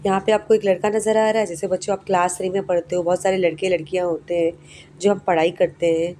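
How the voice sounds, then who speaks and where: Mellow-voiced woman teaching young children. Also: fairly low pitch, flat delivery, slight background noise. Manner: asks the class questions and answers them herself; recites the poem slowly in a sing-song way. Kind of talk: explaining a poem to young children.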